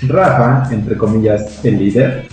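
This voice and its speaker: Man, Mexican Spanish accent, mellow dark voice, joking podcast host, very echoey room. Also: lowish voice, slow pace, soft background music. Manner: joking, teasing banter. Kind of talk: casual chat, reading an article aloud.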